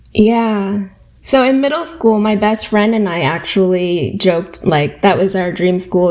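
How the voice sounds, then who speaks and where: A woman with an American accent speaks at a moderate pace in a plain, everyday voice of medium pitch. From New Jersey, US (emigrated from Vietnam as small child). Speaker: education counselor and anthropologist. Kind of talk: interview podcast.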